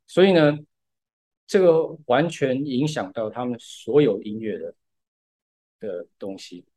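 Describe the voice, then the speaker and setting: A man talks through a music topic on a casual podcast. His voice sits at an ordinary middle pitch. He is patient and explanatory, and he leans on frequent filler words as he goes. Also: a little slow, mellow. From Taiwan. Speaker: podcast co-host.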